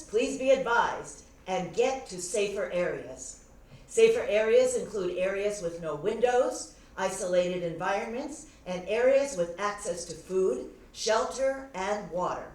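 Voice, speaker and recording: A woman voicing an official emergency announcer in a staged reading, making measured, formal warnings that sound like a public announcement over an outdoor loudspeaker. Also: mid-range voice, distant mic. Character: female emergency broadcast announcer, calm and official. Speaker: stage directions reader. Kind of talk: live staged play reading. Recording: echoey hall, heard from afar, faint ambience.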